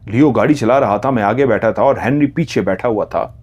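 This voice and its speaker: A man narrating a horror story in a slow, hushed, dramatic way. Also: medium pitch, highs cut off.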